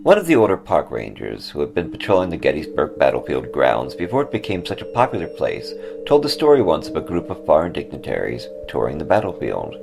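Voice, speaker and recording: Deep, gravelly man narrating a ghost story. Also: huge pitch swings, brisk, few pauses, over music. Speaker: author reading a ghost story. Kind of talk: dramatic scripted story narration.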